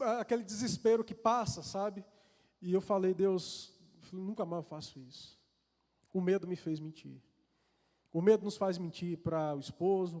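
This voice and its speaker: A man's voice: high voice, warm tone. A man with a Brazilian accent preaching a sermon, telling a personal story in an earnest, confessional way, often repeating and restarting words. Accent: Brazilian Portuguese. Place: large church hall. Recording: long reverb of a church hall.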